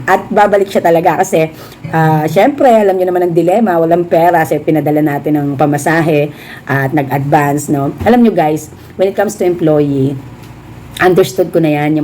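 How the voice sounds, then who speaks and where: A woman's voice: deep voice, warm tone, a little hiss or hum. A Filipino woman vlogger chatting casually to her viewers, mixing Tagalog and English, often adding a questioning "no?", slightly under the weather. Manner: chatty, mixes Tagalog and English, frequent "no?" tag. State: feeling a bit unwell. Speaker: vlogger, small shop owner. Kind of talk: casual chat to camera.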